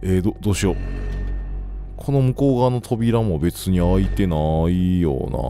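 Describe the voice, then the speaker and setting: Young Kansai man, low voice with wide swings, casual let's-play chatter. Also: expressive, normal speed. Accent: Kansai Japanese. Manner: joking, talks to the game characters, sudden shouts. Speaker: gameplay commentator. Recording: faint game music behind.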